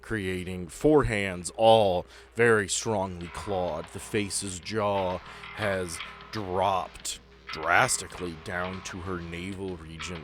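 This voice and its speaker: A man's voice: low-pitched, steady tone, slow pace, a bit bright. A man running a tabletop horror game, narrating suspenseful, descriptive scenes off the cuff and dropping into casual rules talk. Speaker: game master of a tabletop RPG podcast. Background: music under the voice.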